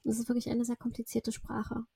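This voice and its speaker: Woman, 30s, native Russian speaker, from Russia, podcast guest, reflective, rambling, gravelly, breathy. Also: on the high side, completely flat delivery, a little fast, dark tone, dry recording. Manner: reflective, rambling, frequent fillers and self-corrections. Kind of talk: casual interview chat.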